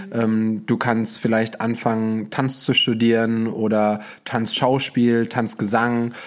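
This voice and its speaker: A man's very slow, monotone, flat delivery at very even loudness. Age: 30s. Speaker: podcast host. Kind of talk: casual chat.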